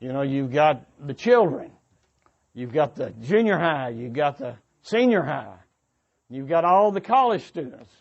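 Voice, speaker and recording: A church speaker delivers a sermon-like exhortation to his congregation, earnest and sometimes repeating or rephrasing his words. His fairly high voice is very animated, with vocal fry and a measured pace, captured on lo-fi audio.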